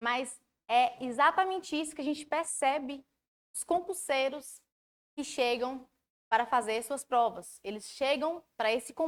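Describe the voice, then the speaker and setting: The woman's voice sits high in pitch. She keeps a moderate tempo and ordinary pitch variation. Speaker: penal police officer and study mentor. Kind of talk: lecture to a live class. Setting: classroom with audience, microphone. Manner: animated, motivational.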